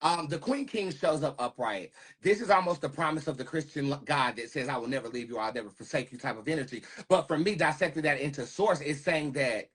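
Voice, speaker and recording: Husky-voiced man giving a tarot reading. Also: a little high, brisk, hardly any pauses, a bit bright. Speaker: tarot reader and host. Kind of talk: casual spiritual tarot reading to camera.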